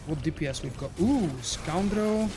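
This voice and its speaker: Bulgarian-accented man, slightly high voice, relaxed rambling stream chatter, faint noise behind. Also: normal speed. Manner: relaxed, rambling, answers chat between fights. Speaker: game streamer. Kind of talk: live gameplay commentary, chatting with viewers.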